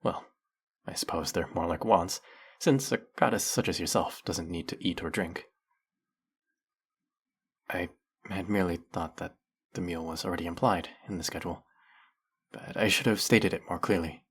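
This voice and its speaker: Fantasy audio drama: man as zealous demon servant, deep husky voice, grandly reverent, flirtatious and fawning. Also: moderate pace, pauses often. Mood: apologetic, servile. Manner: grandiose, theatrical, reverent, obsequious.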